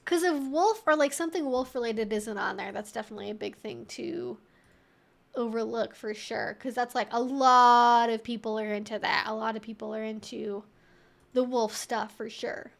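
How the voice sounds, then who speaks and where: High-pitched woman chatting casually on stream. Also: moderate pace, gravelly. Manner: informal, chatty, opinionated, wry. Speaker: live stream host. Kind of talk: casual live Q&A chat, thinking aloud.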